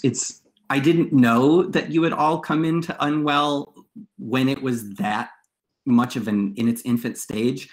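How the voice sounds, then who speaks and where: A man in his thirties speaking as a panel moderator on a video call from a room at home. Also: medium pitch. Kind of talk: reading scripted introductions, moderating a panel.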